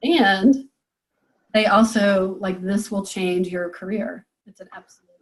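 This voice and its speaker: A woman's voice: medium pitch, a little slow, low-quality recording. Encouraging woman business coach. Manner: encouraging, thinks aloud with fillers. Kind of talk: group coaching call.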